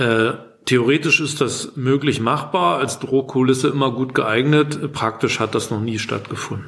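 A man talks at a fairly slow pace in a medium pitch. His pitch moves in an ordinary way. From Brandenburg, Lusatia. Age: 50s. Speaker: district administrator and politician. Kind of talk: interview. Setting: office. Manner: hesitant with frequent fillers; formal.

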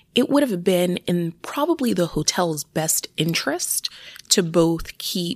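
A woman's plain, everyday voice with an American accent, fairly low in pitch, at a moderate pace, with a dry, close sound and no echo. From Ohio, US, after childhood in Germany. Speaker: corporate diversity director. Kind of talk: interview conversation. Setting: in person at a hotel during a conference.

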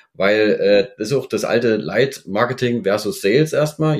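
A man's medium-pitched, plain, everyday voice with ordinary pitch variation. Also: very clean recording, silent background. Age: 30s. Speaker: e-commerce marketing manager. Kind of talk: interview.

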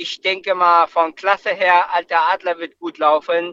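In a Mongolian accent, a man speaks fairly slowly in a high, bright and sharp voice with monotone, flat intonation and a dry, close sound with no echo. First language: Mongolian (speaking German). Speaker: jockey. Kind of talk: interview. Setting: phone call.

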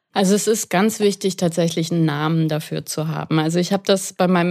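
Against a silent background in a very clean recording, a normal speaking voice moves at a fairly quick pace with fairly even intonation. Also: woman. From Franconia, Germany. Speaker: psychologist and author. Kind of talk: interview.

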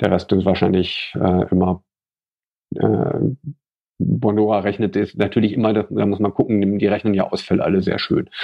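A man with a fairly low pitch speaks with fairly even intonation and very even loudness, leaving long, frequent pauses. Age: 40s. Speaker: investor and former start-up founder. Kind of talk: interview.

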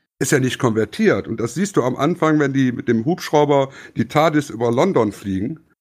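On a very clean recording with a silent background, a man uses a normal speaking voice of medium pitch, with lively intonation at a moderate pace. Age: 50s. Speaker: blogger and podcaster. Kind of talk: casual chat.

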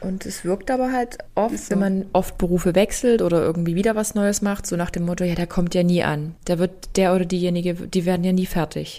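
A woman speaks in a medium pitch with a dark, mellow tone. Her fairly quick delivery has fairly even intonation and hardly any pauses. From Dresden, Saxony. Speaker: podcast host, former police officer. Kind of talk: casual interview.

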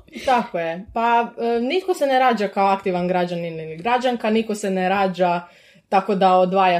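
In a very clean recording with a silent background, a woman with an unremarkable speaking voice talks at medium pitch and a moderate pace with fairly even intonation. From Croatia, Opatija. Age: 20s. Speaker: civil society worker. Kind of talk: interview.

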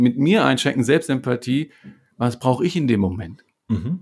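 Here a man speaks in a normal speaking voice at medium pitch. His pace is moderate. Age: 40s. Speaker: organizational development consultant and trainer. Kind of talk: casual interview conversation.

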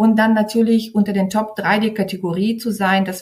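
A somewhat breathy woman speaks at a fairly slow pace in a Bulgarian accent. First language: Bulgarian (speaking German). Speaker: entrepreneur. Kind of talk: podcast interview. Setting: office.

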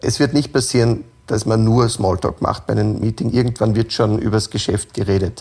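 At a fairly quick pace, a man speaks at medium pitch with vocal fry, a dark, mellow tone, ordinary pitch variation and very even loudness. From Austria. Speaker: trade delegate. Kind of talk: interview. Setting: video call.

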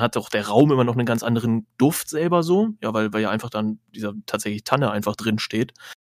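A man's medium-pitched voice at a fairly quick pace, with hardly any pauses, ordinary pitch variation, and a dry, close sound with no echo. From Lower Saxony, Germany. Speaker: podcast co-host. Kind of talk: casual chat. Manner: halting.

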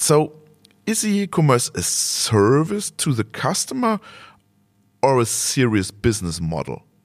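In a German accent, a man speaks at a fairly slow pace and a medium pitch. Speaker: podcast host. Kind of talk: interview.

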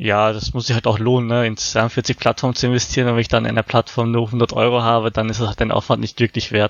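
Talking at a very fast pace with hardly any pauses, a man keeps a monotone, flat intonation. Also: medium pitch for a man. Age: 20s. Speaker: P2P investor. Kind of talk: casual interview.

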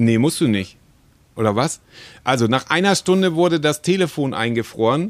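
Speaking at a moderate pace with long, frequent pauses, a man uses a fairly high pitch and lively intonation. His loudness stays very even. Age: 50s. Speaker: podcast host. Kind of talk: casual chat. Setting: video call.

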